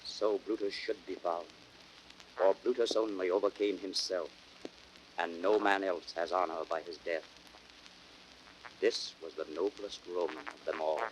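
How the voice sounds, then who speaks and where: An actor playing a stately victorious Roman leader with measured oratory, in a hissy old radio Shakespeare drama. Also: male voice, low voice, steady tone, low-quality recording. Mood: solemn tribute. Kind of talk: 1930s radio Shakespeare acting.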